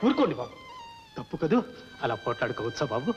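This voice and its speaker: A gentle, tearful old grandfather. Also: very high-pitched, huge pitch swings, quick pace, full character voice. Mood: tender. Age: older. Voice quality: soft, tender, fond. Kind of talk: 1960s film drama. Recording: dull old film soundtrack with music.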